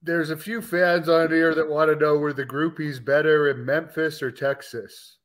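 A man's voice: fairly high pitch, level tone, moderate pace, fairly bright tone. A man in his thirties hosting a casual interview, chatting with a guest over a video call. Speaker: podcast host.

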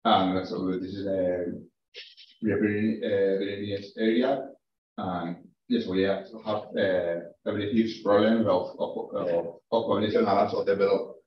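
Slow, halting man presenting research. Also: on the low side, fairly even intonation, slight background noise. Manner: halting, hesitant, many fillers. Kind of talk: academic presentation and answers. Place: lecture room. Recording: echoey, distant, dull room recording.

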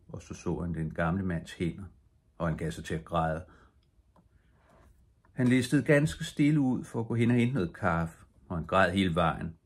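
An older man reading a bedtime story aloud as an audiobook narrator, calm and steady, with a husky voice. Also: low-pitched. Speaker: audiobook reader.

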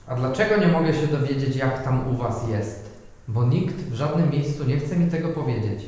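A male paranormal investigator asks spirits slow, probing questions during a session inside a large old palace. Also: mid-range voice, expressive, a little mellow. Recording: echoey hall reverb.

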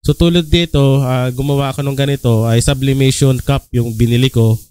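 Filipino male tutorial host, young, relaxed and filler-heavy, clean dry close-mic sound. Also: medium pitch, fairly quick, clean tone, no room sound. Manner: relaxed, many filler "ah" and "okay?" check-ins. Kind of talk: casual screen-recorded tutorial.

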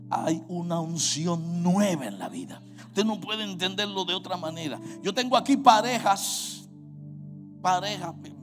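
A man with a Puerto Rican accent preaching a sermon, swinging from quiet talk to shouted, sung exhortation over music. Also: on the high side. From Puerto Rico. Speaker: pastor.

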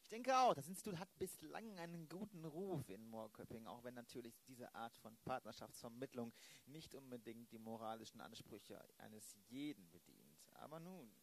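A man playing a polite, businesslike police detective in an improvised radio play, formal, deliberate and direct. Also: mid-range voice, expressive.

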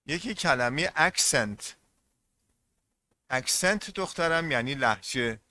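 A man teaching a classroom lesson in a bright, forceful voice. He goes over each term more than once and keeps turning to the class with questions. His pitch sits in a middle range. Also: animated, no echo. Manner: repeats terms and quizzes the class. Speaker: English teacher.

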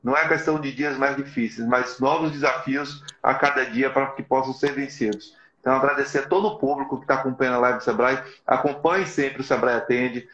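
A man's voice: medium pitch, steady tone, brisk, few pauses, a bit bright. Echoey middle-aged man, earnestly exhorting. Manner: earnest, exhorting, frequently adds tag questions. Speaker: live stream host for a business support agency. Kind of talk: motivational live webinar talk. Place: small plain room indoors. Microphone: video call, device in front of him. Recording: echoey, slightly dull video call audio.

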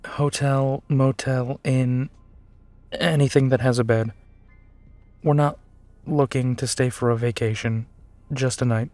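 Slow-talking, weary werewolf detective played by a man. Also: medium pitch, level tone, darkish tone, faint music behind, lightly acted. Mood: gentle, tired. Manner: musing, sighing, unhurried. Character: big, weary, protective male werewolf detective. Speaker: voice actor in audio roleplay. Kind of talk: audio drama monologue, intimate and conversational.

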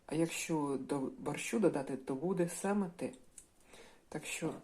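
A woman narrating a casual cooking vlog from her home kitchen, thinking aloud step by step at an unhurried pace. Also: low voice, warm tone. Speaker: home cook, channel host. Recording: kitchen cooking noise behind voice. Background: sizzling frying pan.

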